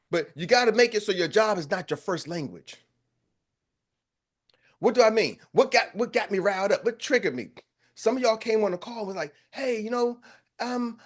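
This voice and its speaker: A high-voiced American man leads a group call as a sales coach. He talks in a fiery, preacher-like way and drives his points home by repeating them. The energy stays high as he pushes the listeners. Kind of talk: motivational pep talk.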